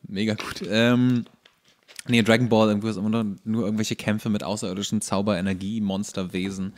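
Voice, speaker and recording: A man with a fairly low voice talks casually as a podcast co-host. He tends to explain things at length, going into detail like a fan who knows the background. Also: flat delivery, a little fast. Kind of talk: casual chat.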